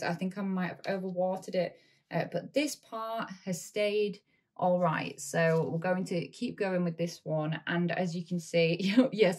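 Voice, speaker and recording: A young woman, a little hoarse, chatting casually with frequent "uh"s as she walks through her houseplants. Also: medium pitch, a little mellow. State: slightly hoarse. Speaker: houseplant vlogger. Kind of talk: casual plant tour walkthrough.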